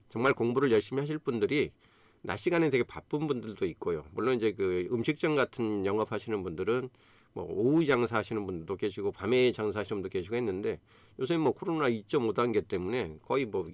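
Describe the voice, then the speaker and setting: The speaker is a YouTube host in his fifties whose voice is fairly low-pitched, heard without echo. He talks casually on a live stream, earnest and encouraging, with plenty of fillers.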